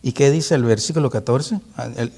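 A man with a husky, slightly breathy voice and a middle-pitched tone, teaching a sermon like a relaxed talk. He keeps asking his listeners rhetorical questions, checks in with them again and again, and chuckles as he goes. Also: moderate pace. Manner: rhetorical questions with frequent tag questions; chuckles often while teaching. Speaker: preacher. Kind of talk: conversational Bible teaching.

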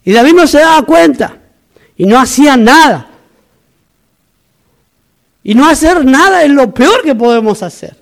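A man's voice: very high voice, expressive, a little slow, vocal fry, long pauses. A man from Argentina preaching a sermon as a pastor, emphatic and repetitive, with humorous asides.

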